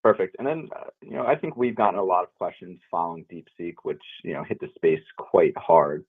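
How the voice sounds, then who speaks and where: Male analyst, low husky voice, conversational questioning on an investor call, lo-fi telephone line. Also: brisk. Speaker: financial analyst. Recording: rough phone-line audio.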